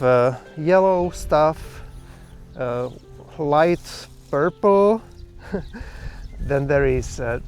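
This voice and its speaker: A man co-hosting a home vlog, showing his rock garden outdoors in a laid-back way with dry quips. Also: a little high. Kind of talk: casual home vlog chat.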